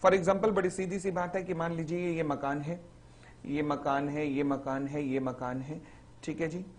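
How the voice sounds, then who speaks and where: A man teaching a recorded exam-revision lecture, acting out little stories and reading definitions slowly, word by word. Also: a little high, slight background noise. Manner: lively, acts out little stories in the examples.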